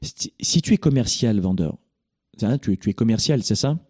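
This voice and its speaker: A man's voice: on the low side, expressive, moderate pace, mellow, husky. A middle-aged man hosting a call-in coaching show, speaking in an emphatic, preachy, directive way.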